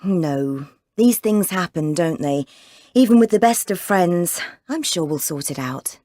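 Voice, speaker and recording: A woman's voice: lowish voice, expressive, measured pace, warm tone, dry recording, clean studio sound. A woman playing a self-assured woman in a scripted exam dialogue, describing a falling-out with a friend in a firm tone.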